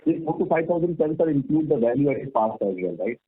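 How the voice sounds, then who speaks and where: Husky Indian man on a phone line. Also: on the high side, lively intonation, a little fast. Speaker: analyst questioning company management on an earnings call. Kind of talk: question and answer on a conference call. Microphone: phone conference line. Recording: narrowband, tinny phone line.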